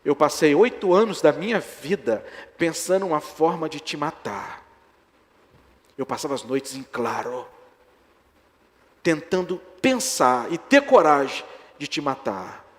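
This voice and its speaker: A male pastor voicing a grown man about to be baptized, speaking quietly through tears. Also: fairly high pitch, sing-song, a little slow, pauses often. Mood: tearful. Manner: quiet, earnest. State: crying. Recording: reverberant church hall.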